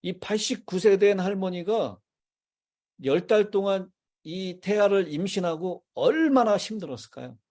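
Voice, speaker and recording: Korean pastor preaching a measured sermon. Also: male voice, high-pitched, lively intonation, darkish tone. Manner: measured preaching, asks the congregation questions. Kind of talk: sermon with congregation call-and-response. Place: church sanctuary.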